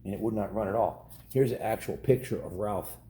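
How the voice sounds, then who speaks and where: Deep, mellow American man reading to kids. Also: fairly quick. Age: 50s. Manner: folksy, informal, often repeats and corrects himself. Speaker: storyteller reading a children's book to kids. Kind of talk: read-aloud storytelling with casual asides. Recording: roomy echo with faint background noise.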